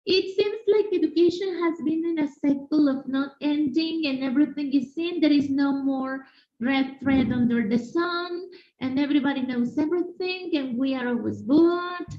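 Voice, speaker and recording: A woman teacher from Mexico with a Mexican Spanish accent, giving an animated online conference talk and speaking directly to her audience. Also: sits high. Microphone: video call. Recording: echoey room, dull lo-fi sound.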